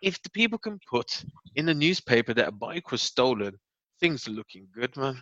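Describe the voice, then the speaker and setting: With a Birmingham accent, a man speaks at a moderate pace in a fairly high, bright and sharp voice, swinging very widely in pitch, with a dry, close sound and no echo. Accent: Birmingham (Brummie) English. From Birmingham, England (Handsworth). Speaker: expat in Germany. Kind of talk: casual chat.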